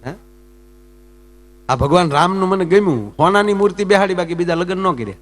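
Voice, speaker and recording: Lively-voiced man doing folk comedy on stage. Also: high-pitched, a little fast. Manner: chatty, teasing the audience, jumps between jokes and asides. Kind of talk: live Gujarati folk comedy talk with audience banter.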